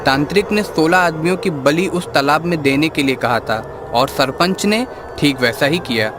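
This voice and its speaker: A man's voice: fairly high pitch, moderate pace, natural voice. A man playing an earnest, determined village boy in cartoon story dialogue. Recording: music behind the voice.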